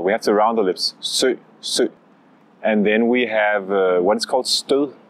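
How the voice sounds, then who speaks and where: A man with a Danish accent speaks at a medium pitch with ordinary pitch variation, in a dry, close sound with no echo. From Denmark. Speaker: language teacher. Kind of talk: tutorial.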